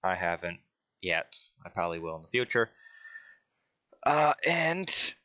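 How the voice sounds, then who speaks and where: A man's voice: deep voice, brisk, bright, forceful tone, dry recording. A man giving a casual spoken tutorial, rambling a little as he reads out settings. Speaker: tutorial creator.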